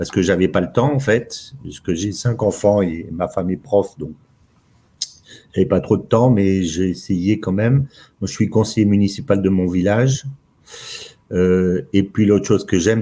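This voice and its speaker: With long, frequent pauses, a man speaks at a fairly slow pace in a fairly low pitch and a dark, mellow tone. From grew up abroad in Africa, Spain (French expatriate). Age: 60s. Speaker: author and geopolitics commentator. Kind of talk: interview. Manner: hesitant, many fillers.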